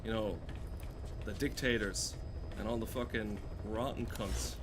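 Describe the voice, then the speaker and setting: A man's voice: fairly low pitch, steady tone, a little slow, background noise. A man casually streaming a game, rambling and swearing with dry, joking commentary.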